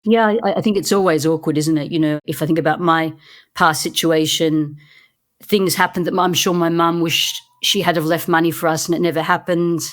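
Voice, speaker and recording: A woman's voice: low-pitched, fairly even intonation, moderate pace. Australian woman guest, earnest and chatty. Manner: earnest, repeats words when restarting. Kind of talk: conversational interview.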